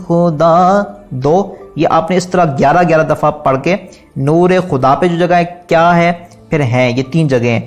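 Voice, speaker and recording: Urdu-accented man teaching naat singing. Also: a little high. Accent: Pakistani Urdu. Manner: instructive, polite, counts repetitions aloud, drawn-out sung phrases. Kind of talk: online singing lesson with sung demonstrations.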